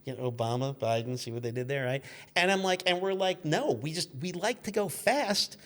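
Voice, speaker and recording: Higher-pitched middle-aged man telling rambling anecdotes. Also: animated, brisk, a bit bright. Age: 50s. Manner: rambling, acts out quoted exchanges. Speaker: guest, car magazine editor. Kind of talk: animated anecdotal storytelling, casual chat.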